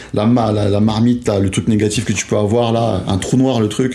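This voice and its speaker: A man at a medium pitch, fairly quick pace and fairly even intonation, with noticeable background noise. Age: 30s. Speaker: documentary filmmaker. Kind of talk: interview. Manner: casual slangy.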